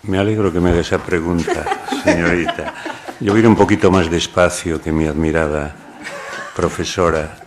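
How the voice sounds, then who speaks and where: A man's voice: low-pitched, fairly even intonation, normal speed, noisy background. A man from Galicia, a translator, speaking wryly and digressively on a panel at a poetry event. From Galicia, Spain. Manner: wry, joking, digressive. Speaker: translator and anthologist. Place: university lecture hall.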